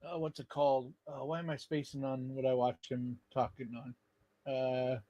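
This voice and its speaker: A man co-hosting a podcast in casual chat, loose and profane, with quick upbeat reactions. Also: medium pitch, flat delivery, dark tone, no echo. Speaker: podcast co-host.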